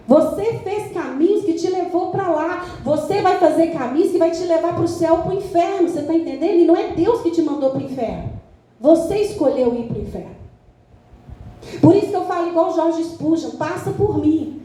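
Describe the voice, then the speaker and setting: Woman missionary preacher, Brazilian accent, dark warm tone, echoing church hall with faint noise. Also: very high-pitched, normal speed. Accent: Brazilian Portuguese. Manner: lively, talks straight to the congregation with questions. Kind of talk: church sermon.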